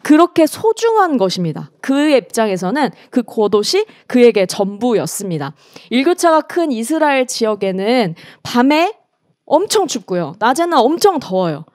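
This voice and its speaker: A woman evangelist preaching to a youth group in a lively storytelling style, asking questions and calling the teens by name. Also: fairly high pitch, no echo, studio quality. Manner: lively storytelling, acts out scripture quotes; asks the teens questions and calls them by name. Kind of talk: youth sermon over video call.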